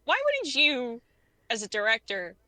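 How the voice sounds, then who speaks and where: A woman chatting as a podcast guest, retelling her reactions in a lively way with many quoted asides. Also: on the high side, a little slow, no echo. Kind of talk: casual conversation about films.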